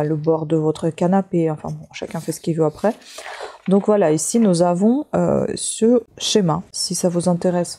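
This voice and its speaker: Exasperated non-native French-speaking woman, mellow. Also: on the low side. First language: not French. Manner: frank, exasperated, many hesitations. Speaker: crochet YouTuber. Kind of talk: casual tutorial intro, venting rant.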